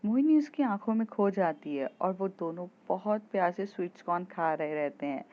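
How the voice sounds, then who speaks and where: A woman's voice: on the low side, lively intonation, normal speed. A woman telling a love story in a chatty, casual way, with fillers and repeats, on a dull lo-fi recording.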